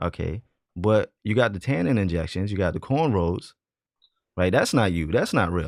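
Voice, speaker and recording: With an American accent, a man has an ordinary speaking voice, fairly low in pitch, with lively intonation. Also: moderate pace. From New York, Brooklyn. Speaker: online show host. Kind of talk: heated debate. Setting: livestream video call.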